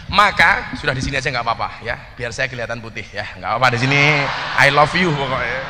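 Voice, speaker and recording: A man's voice: medium pitch, expressive, fast talker, long reverb tail, background noise. A man giving a humorous religious talk, teasing audience members and slipping into Javanese. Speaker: preacher.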